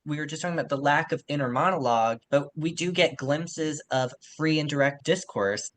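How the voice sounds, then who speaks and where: A man's voice: a little high, a little fast, fairly bright tone. A man co-hosting a literary podcast, giving casual literary analysis in a discursive way, often qualifying his own points.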